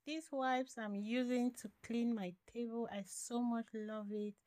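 A woman's voice: a little high, steady tone, a little slow, dark tone. A woman in her thirties narrating a home vlog in a casual, simple explanatory way, repeating words for emphasis. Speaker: home vlogger. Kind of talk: casual cook-and-clean voice-over narration.

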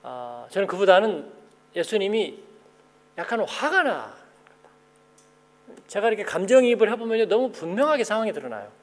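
A man's voice: high-pitched, normal speed, pauses often. A male pastor giving a conversational sermon, often asking the congregation questions and acting out the people he describes. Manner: animated, asks the congregation questions; acts out the people he quotes. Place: church sanctuary. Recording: long church hall reverb.

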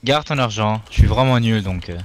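A man's voice: lowish voice, a little hiss or hum. Hesitant young man in game chat. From Belgium, of South American descent. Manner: hesitant, halting. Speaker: student, online game partner. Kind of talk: casual chat over game voice chat. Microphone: online voice chat.

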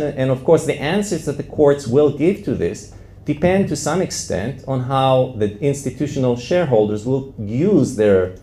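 Male panelist, forties, dark relaxed voice, hesitant academic delivery, roomy conference sound. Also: mid-range voice. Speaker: law professor, conference panelist. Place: classroom-sized indoor conference room with audience. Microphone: handheld microphone close to mouth.

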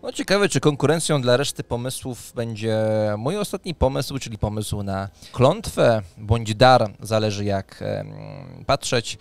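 A man in his thirties hosting a talk on tabletop games, speaking haltingly into a close microphone. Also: mid-range voice, creaky, no room sound. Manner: halting, hesitant delivery with drawn pauses. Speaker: podcast host. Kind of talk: conversational presentation of tabletop RPG ideas. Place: small dim room indoors, on video call. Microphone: close studio microphone on arm, headphones.

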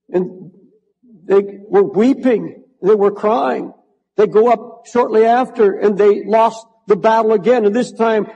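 A man's voice: very high voice, darkish tone, long reverb tail, low-quality recording. An older man preaching a sermon to his congregation in a large church, building to fervent, emphatic repetition. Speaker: pastor.

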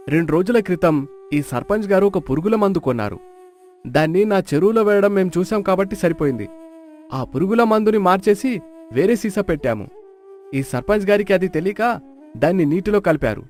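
A clever, outspoken village fisherman in a story drama, played by a man. His voice is high for a man and declamatory as he explains. Soft flute music runs underneath. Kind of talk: dramatized moral story acting.

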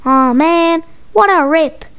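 A woman's voice: very high voice, slow pace, a bit bright, exaggerated voice. A woman voicing a game-obsessed young boy frog in a storybook, slangy and indignant. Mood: whiny, indignant. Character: excitable young boy frogs, game-obsessed, whiny slackers.

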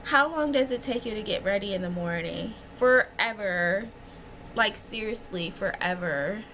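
Her voice is medium-pitched, expressive, a bit bright and unhurried, and the low-quality recording carries a little hiss or hum. A thirtysomething vlogger, she giggles and rambles through tag questions in a casual home chat, using plenty of fillers, in a small room with shelves.

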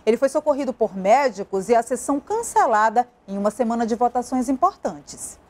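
A woman's voice: fairly high pitch, animated, brisk, a little mellow. Young Brazilian woman anchoring studio news. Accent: Brazilian Portuguese, northern. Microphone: lapel mic.

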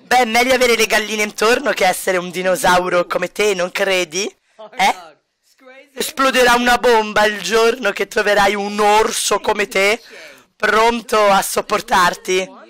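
A man's voice: high-pitched, fairly even intonation, measured pace, pushed and bright, clean tone, voice pushed up. Man voicing a cocky, teasing joker. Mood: teasing, laid-back. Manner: teasing and laid-back. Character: lazy, joking, cocky man who teases.

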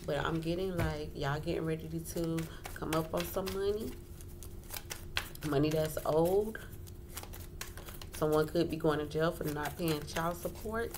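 Seated at a wooden table indoors, a woman leads an informal tarot reading as host, often repeating herself and checking in. She speaks low and at a measured pace with long pauses, captured in a clearly noisy home recording.

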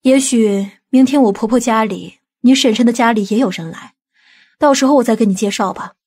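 A domineering aunt from an audiobook drama, acted by a woman. Her voice sits fairly high with a slightly husky edge. She talks in a bossy, scolding way, quick to show irritation. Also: darkish tone. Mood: instructing.

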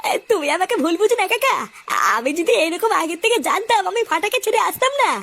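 A woman's voice: extremely high pitch, expressive, fast, a bit bright. A woman voicing an anxious, whiny young village boy who complains and pleads in a comedy cartoon. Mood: pleading. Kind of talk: amateur comedy cartoon dialogue.

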